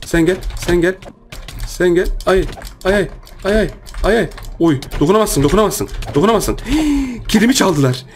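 Excitable young man commentating a game. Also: high voice. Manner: lively, playful, repeats words rapidly, exclaims often. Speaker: gaming YouTuber. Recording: faint music behind.

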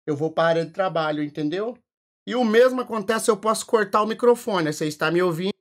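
A man's voice: sits high, expressive, quick pace, a little hiss or hum. Chatty Brazilian man demoing his gear. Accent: Brazilian Portuguese. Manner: chatty, demonstrative, keeps pointing things out. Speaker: streamer and content creator. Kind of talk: casual tech demo.

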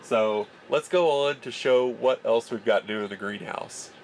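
A man's voice: medium pitch, a little slow, a little hiss or hum. A young man in his twenties with a stuffy, nasal voice from a cold, chatting enthusiastically as he explains gardening gear in a small greenhouse, recorded on a camera mic. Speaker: gardening channel host. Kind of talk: casual how-to vlog. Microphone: camera mic at close range.

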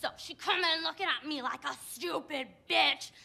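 A woman's voice: high voice, moderate pace, vocal fry, over loud music. Piercing, distraught servant woman. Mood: upset, indignant. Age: young adult. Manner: dialect-heavy, emotional storytelling. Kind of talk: theatrical stage monologue. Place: small stage with curtain.

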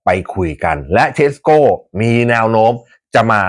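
A man hosting a fan channel, talking casually to viewers about his football club's transfers in a chatty, animated way with rough slang and frequent laughs. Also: fairly low pitch, a little slow.

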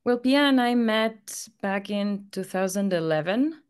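A woman's voice: medium pitch, lively intonation, measured pace, clear, resonant tone. A woman in her thirties, a native Spanish speaker, chatting casually as an interview guest into a studio mic at home. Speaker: podcast guest. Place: small room at home, video call. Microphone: studio condenser mic on boom arm, headphones.

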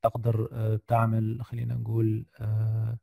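A tired man giving a screen-share software lesson on a video call, hesitant with many fillers and English technical terms mixed in. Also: fairly low pitch, monotone, moderate pace, creaky, no room sound. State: tired, slightly unwell voice. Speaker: guest lecturer.

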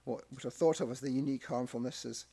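A man's voice: mid-range voice, fairly even intonation, quick pace, gravelly, dark tone, breathy edge. A middle-aged man with a Scottish accent giving a conference presentation at a podium microphone, with dry asides and frequent restarts. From Scotland. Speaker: academic researcher presenting. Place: press club conference room.

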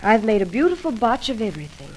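A woman playing a proud, emotional young woman in love in an old radio soap, earnest, dramatic and halting, on a noisy old recording. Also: fairly high pitch, sing-song. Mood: determined. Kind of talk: 1940s radio soap acting.

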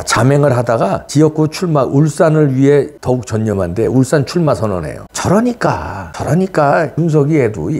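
A husky-voiced political commentator hosts a channel and rants angrily to camera. He scolds and mocks scornfully, shouting insults as his pitch swings wildly up and down.

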